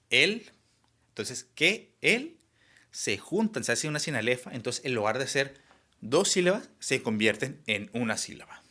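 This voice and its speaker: A man's voice: medium pitch, bright, forceful tone. A young man explaining a lesson, with frequent fillers and restarts. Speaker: teacher. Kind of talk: online class lecture.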